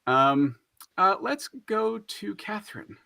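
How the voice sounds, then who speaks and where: A man's voice: high-pitched, animated, slow pace, vocal fry, sharp tone, no room sound. A man moderating a panel discussion, thoughtful and affirming as he responds to the speakers.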